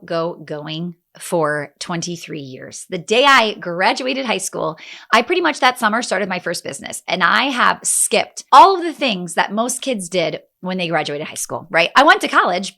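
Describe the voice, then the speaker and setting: A woman in her forties giving an energetic motivational talk to camera as a business coach, emphatic, with quick restarts. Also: medium pitch. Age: 40s.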